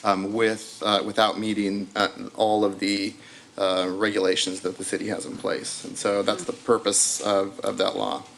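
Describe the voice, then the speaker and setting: A man on city staff explaining a state law formally to the council, measured with some fillers. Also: lowish voice, little pitch movement, gravelly, fairly bright tone, a little hiss or hum.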